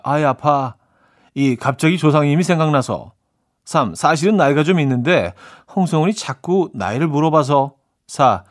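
Playful man hosting a radio quiz. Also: medium pitch. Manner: playful, announcer-like delivery. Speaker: radio quiz show host.

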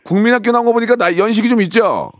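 A man hosting a live radio call-in show, with brisk, teasing, upbeat patter. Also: high-pitched, no room sound, clean studio sound. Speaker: radio host. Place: radio studio.

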